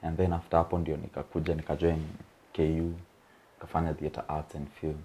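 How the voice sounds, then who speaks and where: Deep-voiced Kenyan man telling stories. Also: flat delivery, fast, warm tone, slightly rough. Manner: rambling, chuckling storyteller who mixes in slang. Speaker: comedian guest. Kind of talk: casual interview storytelling. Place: TV-style studio set with sofas, indoors.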